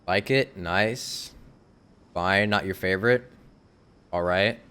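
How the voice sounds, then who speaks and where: A man talks casually while streaming a game, relaxed and quick to laugh. His voice sits on the low side. He answers his chat in a loose, chatty way. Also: clean tone. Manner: laid-back, laughs often, answers chat. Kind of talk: casual live-stream commentary.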